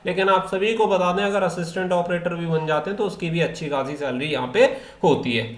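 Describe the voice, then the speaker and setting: In an echoey, reverberant room, a high-pitched man presents an informal educational explainer. He reads out official rules, then restates them step by step in a repetitive way.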